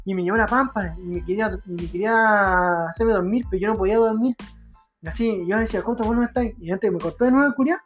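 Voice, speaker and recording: Un hombre joven con acento chileno que cuenta una anécdota entre amigos, con mucha jerga y voces imitadas. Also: male voice, sits high, fast talker, faint music behind. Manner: animated, acts out quoted voices, heavy slang. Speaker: storyteller among friends. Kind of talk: casual chat.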